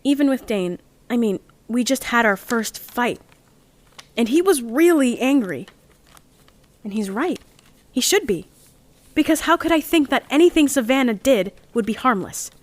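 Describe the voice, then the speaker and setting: A woman's voice: a little high, lively intonation, moderate pace, no room sound, close to an everyday voice. A woman playing an earnest, lovestruck young member of a heist crew in an audio drama, speaking in a heartfelt, confessional way. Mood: remorseful, tender. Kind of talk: audio drama monologue and dialogue.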